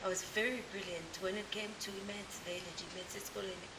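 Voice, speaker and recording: A South African woman, a Zulu speaker, chats easily about her life as an interview guest, often laughing as she tells stories. Her voice sits at an ordinary middle pitch for a woman. A steady hiss runs under the recording. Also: quick pace. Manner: relaxed, laughs often, lively storytelling. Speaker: guest, gospel singer. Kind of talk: casual interview chat, mixing Zulu and English. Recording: hissy background noise.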